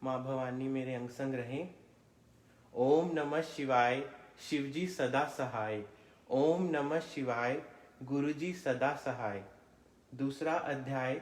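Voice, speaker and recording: Male devotional scripture reader, slightly high voice, unhurried and reverent, recorded in a very roomy space. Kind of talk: devotional scripture reading with chanted invocations.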